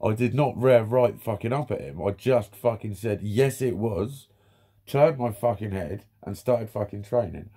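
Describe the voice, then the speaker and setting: A man's voice: on the low side, a little slow, mellow, husky. A man, telling a story in a casual vlog rant, swearing constantly, laughing and acting out what people said, filmed close up while lounging in a small room. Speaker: vlogger.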